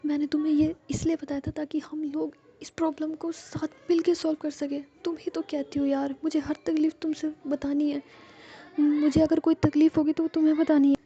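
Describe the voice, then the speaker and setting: A woman doing ruhi, teary young girl in love, begging, high pitched, dull lo-fi mic. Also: mellow. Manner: pleading, tearful, high and emotional. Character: young woman Ruhi, tearful and devoted lover.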